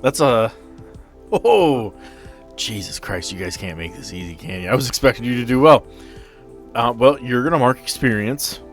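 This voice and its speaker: A man acting as game master at a tabletop role-playing game improvises narration and explains the rules. His mid-range voice is animated at normal speed, with music playing behind him.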